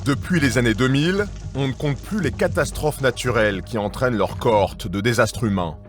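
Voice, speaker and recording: A man reading a scripted documentary narration in a measured, serious voice. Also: medium pitch. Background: music.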